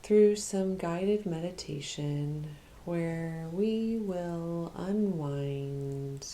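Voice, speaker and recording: A woman guiding an ASMR meditation as a Reiki practitioner, speaking in a soft, hushed, soothing way with long pauses and occasional whispering. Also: fairly low pitch, a little hiss or hum.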